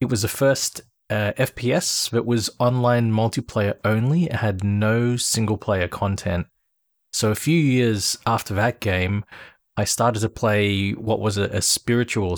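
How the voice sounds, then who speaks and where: On a very clean recording with a silent background and a dry, close sound with no echo, a man with an Australian accent and a fairly low pitch speaks at a fairly slow pace, with ordinary pitch variation and very even loudness. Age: 40s. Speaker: podcast host, gamer. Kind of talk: casual chat.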